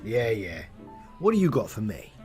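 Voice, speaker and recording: A man doing a gruff bartender. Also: lowish voice, huge pitch swings, normal speed, mellow, soft background music. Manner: grumbling, haggling, tough-talking. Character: gruff male bartender, cagey info broker. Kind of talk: audio drama acting.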